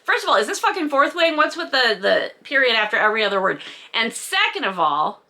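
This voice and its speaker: A woman's voice: fairly high pitch, big pitch swings, a little fast, bright, forceful tone. A woman hosting a comedic read-along, mocking a book with sarcastic, exaggerated emphasis and plenty of swearing. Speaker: host reading a book aloud and mocking it.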